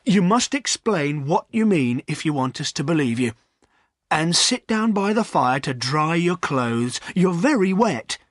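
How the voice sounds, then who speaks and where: A man's voice: a little high, sing-song, takes it slowly, fairly bright tone, dry recording, clean studio sound, pitched above the performer's own voice, exaggerated voice. A man voicing a village innkeeper who speaks firmly and tries to keep the peace. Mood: calming. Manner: firm, soothing.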